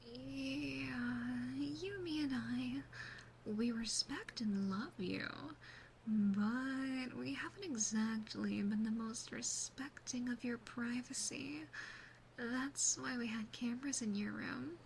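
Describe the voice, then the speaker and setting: A woman voicing a gentle, doting yandere demon sister in a soft, teasing, mostly whispered ASMR roleplay, close on a binaural microphone. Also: fairly high pitch, slow, vocal fry, slight background noise. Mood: confessional.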